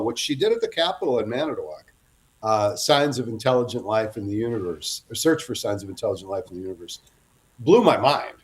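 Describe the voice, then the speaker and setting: A man's voice: medium pitch, a little mellow. A middle-aged man, a guest author, telling long rambling anecdotes in a casual interview and often breaking off to restart.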